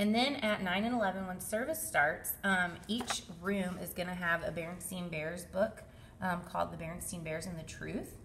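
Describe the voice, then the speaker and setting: A woman talks at a moderate pace and medium pitch with ordinary pitch variation, and audible room echo surrounds her voice. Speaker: children's ministry leader. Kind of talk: instructional briefing. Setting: at home next to sleeping baby. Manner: soft-spoken.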